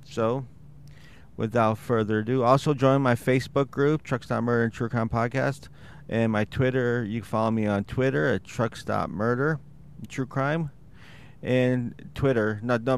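A man's voice: mid-range voice, normal speed, smooth. A congested, slightly wheezy man hosting a true-crime podcast in a casual, rambling, self-deprecating way. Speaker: podcast host.

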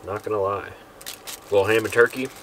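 Low-voiced man vlogging casually. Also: brisk, fairly bright tone, a little hiss or hum. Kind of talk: casual chat to camera. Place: inside a small truck camper.

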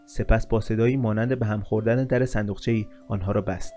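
A man narrating a fantasy story in a steady, measured reading. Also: fairly low pitch, soft background music. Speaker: audiobook narrator.

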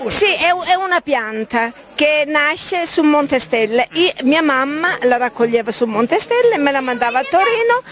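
A woman's voice: high-pitched, animated, moderate pace, few pauses, crowd noise. A woman. She talks casually as a home cook, explaining to an interviewer how things are done. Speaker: local home pasta maker.

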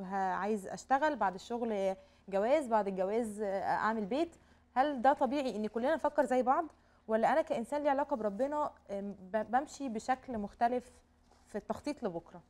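Egyptian woman host, quick and a bit high, keeps the show moving. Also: a little mellow. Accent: Egyptian Arabic. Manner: brisk, moderating. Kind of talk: live studio talk show.

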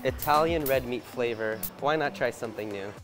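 A man's voice: medium pitch, normal speed. A man in his thirties reporting on location, chatting curiously as he walks through a large supermarket with a handheld camera. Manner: chatty, curious walk-through while shopping. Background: background music.

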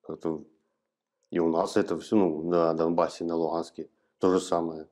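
A man in his thirties from eastern Ukraine, giving hesitant, halting answers in an interview in a small office, recorded on a lapel mic. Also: deep voice, level tone, darkish tone. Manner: hesitant, halting, plain-spoken. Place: small office room, indoors. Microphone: clip-on lapel mic.

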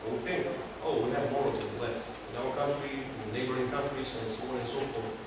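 A man's voice: mid-range voice, fairly even intonation, a little fast. Young man giving a speech, roomy echo. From Kazakhstan. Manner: hesitant, many uh fillers, earnest. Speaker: club speaker. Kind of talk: prepared speech to an audience. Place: small meeting room, indoors. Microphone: far camera, no mic. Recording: echoey room from far off, noisy.

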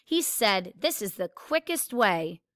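A woman voicing a blunt, quick-tempered teenage big brother in a read-aloud novel. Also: mid-range voice, very animated, fairly bright tone, no room sound, studio quality. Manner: blunt, brusque.

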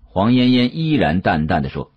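A man narrating an audiobook as a dramatic storyteller, with an expressive, conversational delivery. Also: on the low side, moderate pace, husky, highs cut off.

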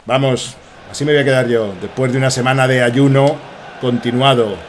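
A young man with a Spanish accent streaming a soccer game, rambling and excitable, with plenty of swearing. His voice sits at a middling pitch. A faint hiss of noise runs behind him. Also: moderate pace. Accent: Spain Spanish. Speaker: gaming streamer. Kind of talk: excited gameplay commentary.

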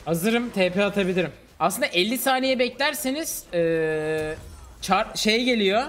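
A young man streaming a game, chatting with a teammate in an exasperated, animated, slangy way. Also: high voice, moderate pace, a little hiss or hum. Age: young adult. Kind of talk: live gameplay commentary and casual chat with teammate. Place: indoor gaming room. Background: game music and sounds.

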